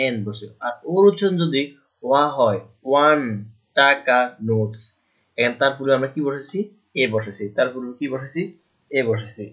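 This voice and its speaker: A male teacher explains a grammar rule in a classroom style. He keeps asking questions and answering them himself, repeating each point so the students remember it. His voice sits at an ordinary male pitch. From Bangladesh.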